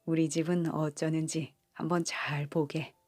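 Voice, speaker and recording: A woman voicing a calm, gentle middle-aged farmer who speaks mildly. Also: low-pitched, moderate pace, husky, no echo, clean studio sound, faint music behind, voice pushed down, exaggerated voice. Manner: calm, mild.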